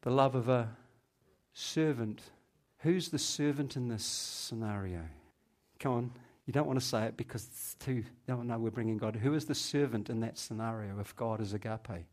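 Chatty New pastor preaching. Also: male voice, medium pitch, moderate pace, darkish tone. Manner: chatty, teasing the congregation by name. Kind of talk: conversational sermon.

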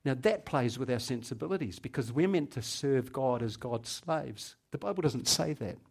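Chatty New pastor preaching. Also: male voice, mid-range voice, animated, normal speed, gravelly, a little mellow, slightly rough. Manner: chatty, teasing the congregation by name. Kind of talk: conversational sermon.

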